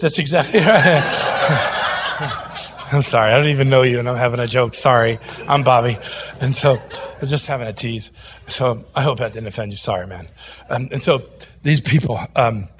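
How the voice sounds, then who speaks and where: Animated joking preacher man. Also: high voice, slight background noise. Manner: animated, jokey, swings from loud shouts to quiet asides. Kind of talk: sermon.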